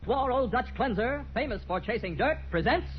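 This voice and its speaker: High, dramatic 1940s male radio announcer. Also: animated, moderate pace, breathy edge. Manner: grand, emphatic. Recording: dull old radio recording with music.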